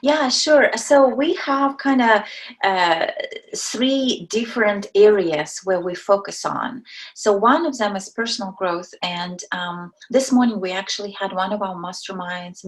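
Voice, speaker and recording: A woman in her forties from Kazakhstan, whose first language is Russian, talking as a podcast guest in a hesitant way with many ums and restarts. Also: mid-range voice. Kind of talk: casual interview talk.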